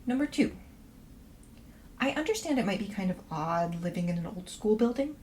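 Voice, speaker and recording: A polite, quirky woman professor played by an actress reads her letter aloud for a fiction podcast. She is matter-of-fact and reassuring at an average pitch, with faint noise and ambience behind her. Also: expressive, normal speed, darkish tone, lightly acted. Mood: reassuring, businesslike. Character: polite, quirky woman professor giving house-sitting instructions. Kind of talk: scripted letter read aloud in a podcast promo.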